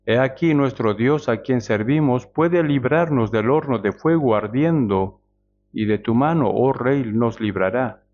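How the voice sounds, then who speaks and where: A male preacher giving a measured sermon, often asking the congregation rhetorical questions. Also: medium pitch, a little hiss or hum. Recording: dull lo-fi sound.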